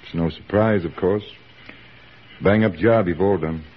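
An actor playing a brisk, commanding wartime army surgeon in a 1940s radio drama. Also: male voice, sits low, a little hiss or hum. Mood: relaxed. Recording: dull old radio recording.

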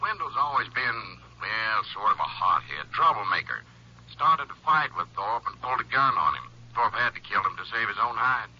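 An actor playing a folksy, evasive small-town sheriff with a rough voice in a 1950s radio drama. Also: male voice, lowish voice, very animated, moderate pace, sharp tone, full character voice. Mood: folksy, breezy. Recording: lo-fi old radio broadcast recording.

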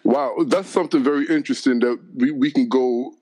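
A man hosting a podcast interview, asking questions in formal, deliberate phrasing with frequent restarts. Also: medium pitch, darkish tone. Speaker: podcast host.

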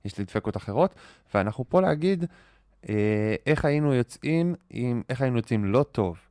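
A man's voice: medium pitch, animated, darkish tone, no echo, studio quality. A man co-hosting a podcast in casual chat, talking candidly and mocking himself, often restarting his sentences. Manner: candid, self-mocking, confessional. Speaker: podcast co-host.

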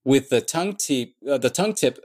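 A man's voice: medium pitch, expressive, brisk, darkish tone. A man in an interview explaining how he built a language, thinking aloud with many fillers and restarts. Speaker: conlang creator answering questions.

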